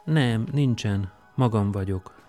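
A man reading an audiobook and voicing a gentle, earnest young prisoner who speaks calmly and sincerely. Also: on the low side, soft background music, pitched above the performer's own voice, close to an everyday voice. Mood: pleading. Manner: soft-spoken, calm and sincere.

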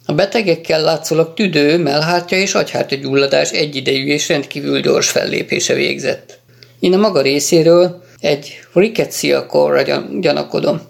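A man's voice: fairly high pitch, steady tone, gravelly. A man reading aloud as a precise male professor of medicine. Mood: clinical.

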